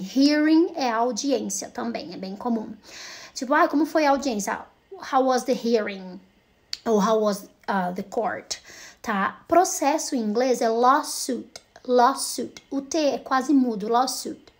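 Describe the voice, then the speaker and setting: Against a quiet background, a woman speaks very slowly in a high pitch with lively intonation. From Brazil. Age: 30s. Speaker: English teacher and vlogger; English teacher, vlogger. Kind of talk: casual vlog tutorial. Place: home room. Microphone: phone near.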